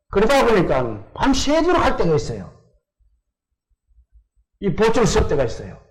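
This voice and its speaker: An older South Korean pastor with a high-pitched voice preaches a sermon in church, asking his congregation questions and answering them himself. The audio quality is poor.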